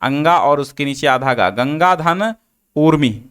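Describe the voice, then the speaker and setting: Slow, high-voiced male Hindi teacher. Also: expressive, fairly bright tone, smooth. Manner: explains slowly, repeats rules and asks rhetorical questions. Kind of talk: classroom grammar lesson.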